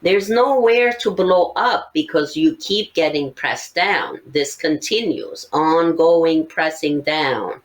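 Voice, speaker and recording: A woman's voice: low voice, slow pace, hardly any pauses. An older woman psychotherapist, earnestly explaining kinds of trauma step by step in a podcast interview. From Syria. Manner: earnest, explanatory, lists points methodically. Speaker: psychotherapist guest.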